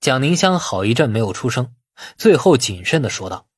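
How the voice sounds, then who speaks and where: A man narrates a novel in an expressive, animated storytelling style. His mid-pitched voice has a husky edge and the recording is dry and close. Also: brisk, dry recording. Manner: expressive storytelling, acting out dialogue. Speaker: audiobook narrator. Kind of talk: dramatic scripted narration of a novel.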